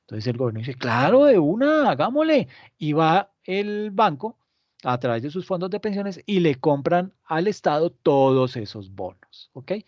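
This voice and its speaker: A man explaining economics in a relaxed podcast, sarcastically acting out imagined dialogues between the government and the banks. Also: on the high side, moderate pace, dry recording, dull audio. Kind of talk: casual explanatory podcast talk.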